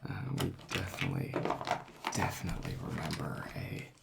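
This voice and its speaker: Male, soft-spoken ASMR dealer role. Deep register, heavy vocal fry, unhurried hushed delivery. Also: sing-song, heavy background noise. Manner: hushed, unhurried rambling, drifting into whisper. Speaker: ASMR creator playing a casino dealer.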